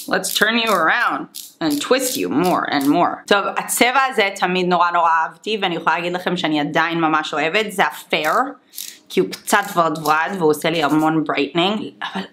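A chatty woman talks through her makeup routine in a casual vlog. Her pitch sits in the middle of the range. She drops English exclamations in between her running commentary. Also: a bit bright, slight background noise. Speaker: beauty vlogger. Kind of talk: casual makeup tutorial chat.

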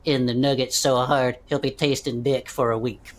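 A woman's voice: a bass voice, steady tone, moderate pace. A woman voicing an easygoing male adventurer with slangy, laid-back talk, in an audio drama.

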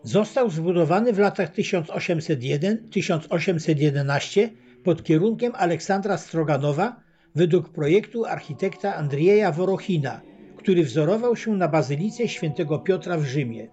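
A man narrates a travel film in a measured, scripted voice-over. His voice sits high but sounds dark and husky. The recording is dull and lo-fi. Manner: even, measured reading of facts and figures. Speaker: documentary narrator. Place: voice-over, not recorded at the pictured site. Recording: dull lo-fi voice-over with faint choir music.

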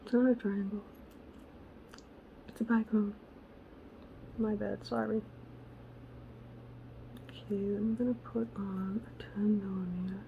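A woman hosting a casual crafting tutorial, chatty and correcting herself, her voice raspy because she is losing it. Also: medium pitch, level tone, takes it slowly, pauses often, phone-quality sound, a little hiss or hum. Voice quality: gravelly. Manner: chatty, self-correcting, muttering asides to herself. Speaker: craft channel host.

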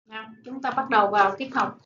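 A woman primary school teacher dictating to children, speaking deliberately and enunciating word by word. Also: a little high, a bit bright. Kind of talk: slow dictation-style lesson for children. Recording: echoey room, dull sound, faint noise.

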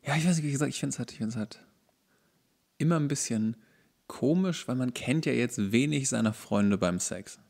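A man's voice: medium pitch, expressive, moderate pace, vocal fry, darkish tone. A man in his thirties chatting casually as a podcast co-host. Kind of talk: casual chat.

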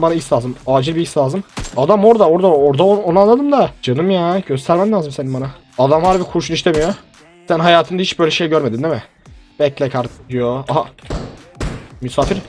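A young man playing a mobile shooter, giving joking, excitable commentary to viewers and teammates. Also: fairly high pitch. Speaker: gaming YouTuber. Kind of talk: live mobile game commentary. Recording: game sounds and music behind.

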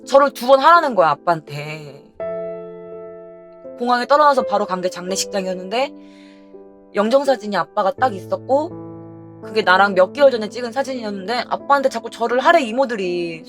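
A young woman streamer recounts personal stories in casual chat, her voice swinging up and down as she acts out what she once said. She talks quickly, with a soft bed of music behind her. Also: medium pitch. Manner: emotional, animated, acts out her own quoted lines. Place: home streaming room.

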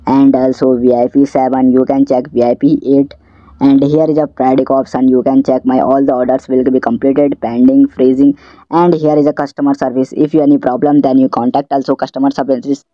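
A man's voice: mid-range voice, level tone, brisk, no room sound. A man with a South Asian accent narrating a tutorial step by step in non-native English, repeating himself as he promotes an app. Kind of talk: screen-recorded tutorial narration. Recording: dull, lo-fi voice-over.

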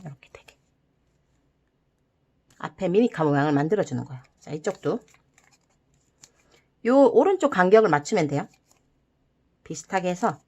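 A woman hosting a children's origami tutorial, speaking gently and cheerfully through each fold step by step. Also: on the low side. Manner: gentle, soft-spoken, cheerful with playful sound effects. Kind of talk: step-by-step craft instruction for children. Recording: faint background music.

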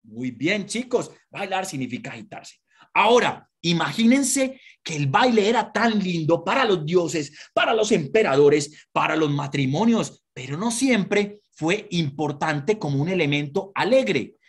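A woman giving a lively lesson to children, asking them questions and having them repeat words. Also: fairly low pitch, measured pace, slightly rough. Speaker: children's history presenter.

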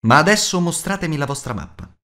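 A man voicing a wise, grave male elf lord who explains lore in a measured audiobook manner. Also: fairly high pitch, animated, bright, forceful tone, pitched above the performer's own voice. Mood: grave, explanatory.

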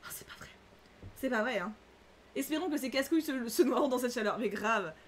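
A woman's voice: on the high side, animated, fast talker, slight background noise. A woman playing a story game and reading it aloud, with crude, exasperated, teasing commentary. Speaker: let's-play streamer.

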